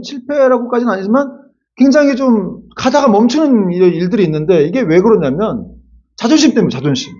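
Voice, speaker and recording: Man, pastor, lively sermon, high-pitched, slightly muffled church recording. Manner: lively preaching with acted-out quotes and asides. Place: church sanctuary.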